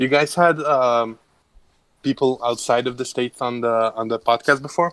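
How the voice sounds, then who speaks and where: A man with a Hungarian accent keeps a fairly even intonation, recorded with a dry, close sound and no echo. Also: medium pitch for a man, moderate pace. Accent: Hungarian accent, kept under control. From Hungary. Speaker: music producer. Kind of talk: casual chat. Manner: halting, searching for words.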